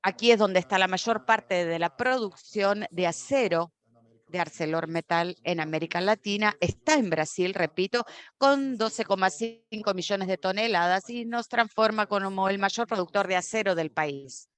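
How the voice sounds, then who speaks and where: A woman's voice: mid-range voice, normal speed, smooth. Woman interpreting a conference talk. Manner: steady with frequent self-corrections and restarts. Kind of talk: simultaneous interpretation of a corporate talk.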